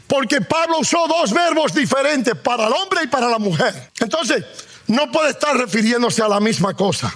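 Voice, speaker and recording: A man's voice: very high voice, very animated, fairly bright tone. A male pastor preaching a sermon in a conversational way, with humor. He has the congregation repeat after him and stretches out the words he stresses. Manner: emphatic, drawn-out stressed words; conversational humor woven into Bible teaching.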